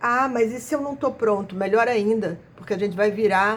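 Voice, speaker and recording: A woman talks in a normal speaking voice at a medium pitch. Her intonation is fairly even. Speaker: astrologer. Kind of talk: video monologue, astrology forecast.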